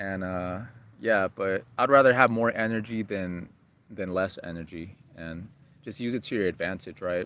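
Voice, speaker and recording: A man talks loudly at a moderate pace, his fairly low voice bright and sharp in tone with ordinary pitch variation. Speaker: YouTuber doing live Q&A. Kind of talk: casual livestream chat.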